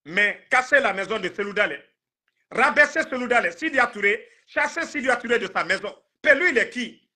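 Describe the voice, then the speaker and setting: A man's voice: sits high, lively intonation, fairly quick, bright, forceful tone. A man in his thirties with a Guinean accent, talking politics on a live stream in an emphatic, indignant, repetitive way. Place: indoor room, video call.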